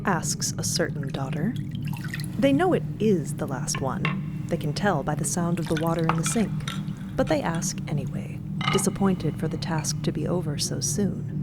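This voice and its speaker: A woman's voice: low voice, expressive, normal speed. A woman reading scripted narration for a fiction podcast. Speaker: narrator and performer. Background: music.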